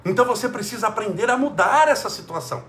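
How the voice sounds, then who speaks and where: High-voiced man preaching in an echoey room. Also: animated, quick pace, fairly bright tone, slight background noise. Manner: rhetorical questions, acts out quoted voices. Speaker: spiritual speaker. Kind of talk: preaching talk to listeners.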